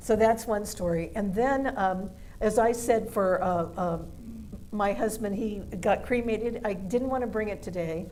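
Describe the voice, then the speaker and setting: With audible room echo around her, a woman speaks at a moderate pace in a fairly high voice that is dark and mellow in tone, her intonation fairly even. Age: 70s. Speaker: talk show host. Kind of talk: panel discussion. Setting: senior center event with live audience. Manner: halting, many fillers.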